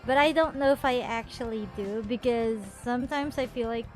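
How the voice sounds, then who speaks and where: A woman's voice: on the high side, normal speed, rough recording. A woman streamer chatting casually with her viewers, bubbly and rambling, often restarting her sentences and laughing. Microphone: earphones with a desktop mic. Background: faint background music.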